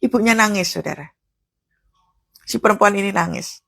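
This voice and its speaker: A woman's voice: mid-range voice, normal speed, creaky, fairly bright tone, breathy edge. A woman preacher, giving a live devotional sermon and telling stories to her listeners, whom she often calls brothers and sisters.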